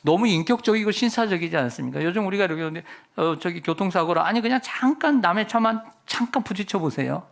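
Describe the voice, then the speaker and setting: A man's voice: high-pitched, expressive, fast talker, creaky, few pauses. A middle-aged male senior pastor preaching a Sunday sermon, often asking the congregation questions. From South Korea. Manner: preacherly, asks the congregation questions and acts out voices.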